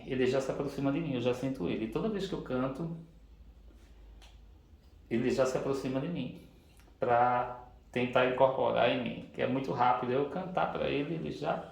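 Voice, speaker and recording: A man vlogging casually from his living room in loose run-on sentences, often tagging on a "right?", recorded in an echoey room at home. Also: fairly high pitch. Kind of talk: casual spiritual vlog.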